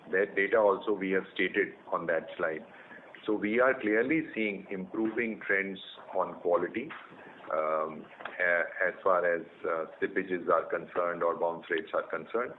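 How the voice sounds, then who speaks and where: Deep-voiced Indian executive on phone line. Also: male voice. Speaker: company executive answering analysts. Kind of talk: earnings call commentary. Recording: narrow phone line with faint noise.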